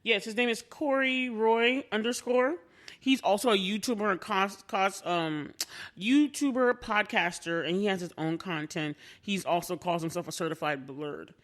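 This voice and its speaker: A woman's voice: mid-range voice, moderate pace, fairly bright tone. Chatty woman podcast host saying y'all. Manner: chatty, enthusiastic, says "y'all" a lot. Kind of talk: casual chat.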